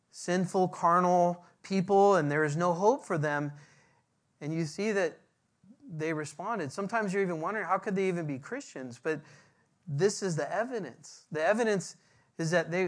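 A male pastor preaching a verse-by-verse sermon in a church, teaching deliberately and posing rhetorical questions to the congregation. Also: on the high side.

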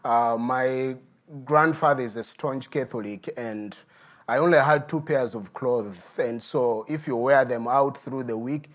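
A man's voice: medium pitch, unhurried. Earnest man preaching. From Uganda. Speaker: guest pastor. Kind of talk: sermon with personal testimony.

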